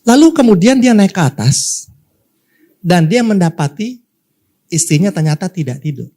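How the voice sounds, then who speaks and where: A male pastor preaching a lively sermon, telling a story and acting out the voices of its people while speaking to the congregation. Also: high voice, normal speed.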